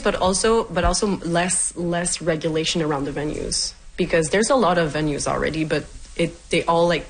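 A woman's voice: low voice, poor audio. A woman, a student, giving casual interview answers and restarting her phrases often. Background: music.

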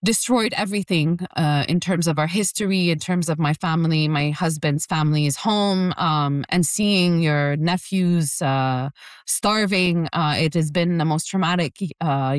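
A woman's voice: lowish voice, dry recording, clean studio sound. A woman in her thirties from Jerusalem, speaking earnestly and urgently as an interview guest, with frequent fillers. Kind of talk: remote news interview.

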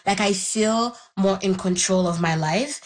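A woman's voice: mid-range voice, unhurried. A young woman from Haiti whose first language is Haitian Creole, thoughtfully telling her own story as an interview guest and searching for the right words. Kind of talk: reflective personal story.

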